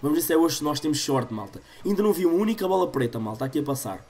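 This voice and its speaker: A man in his twenties with a European Portuguese accent and a slightly stuffy nose, doing excitable gaming commentary for his viewers. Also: a little high, very fast. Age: 20s. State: slightly congested from a cold. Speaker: gaming YouTuber. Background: game music.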